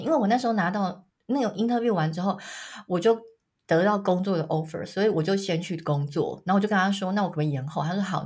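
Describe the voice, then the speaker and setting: Woman, 30s, from Taiwan, podcast co-host; husky, chatty storyteller. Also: on the low side, a little mellow. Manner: chatty storyteller, laughs often. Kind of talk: casual chat.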